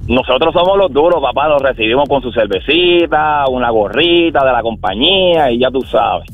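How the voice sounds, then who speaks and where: A man's voice: mid-range voice, animated, normal speed, phone-quality sound, soft background music. A man from Puerto Rico with a Puerto Rican accent, a tour business owner calling a radio show, jovial and boastful.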